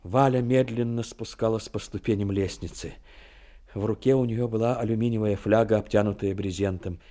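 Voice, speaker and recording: War story narrator: man, dark and fairly low, measured, expressive literary delivery.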